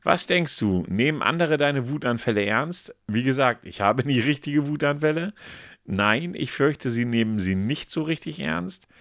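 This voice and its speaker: A man's voice: mid-range voice, expressive, normal speed, vocal fry, a bit bright, dry recording, studio quality. A man co-hosting a casual podcast, reading quiz questions and answer options aloud in a playful way. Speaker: podcast co-host.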